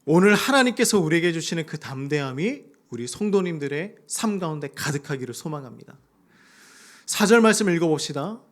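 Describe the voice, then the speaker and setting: A man's voice: on the high side, expressive, a little fast. A male pastor preaching a sermon, acting out prayers in a raised voice. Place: church sanctuary.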